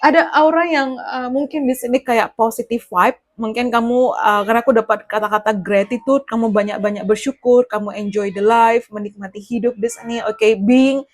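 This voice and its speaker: A woman's voice: a little high, steady tone, normal speed, hardly any pauses. A woman giving a casual tarot reading straight to the listener, chatty and rambling. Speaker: tarot reader.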